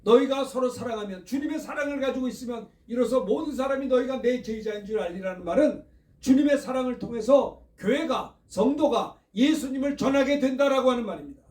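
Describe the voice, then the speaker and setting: A man's voice: extremely high pitch, darkish tone, echoey room, far from the mic. A male pastor from Seoul preaching a Sunday sermon, asking the congregation questions as he goes. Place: church sanctuary.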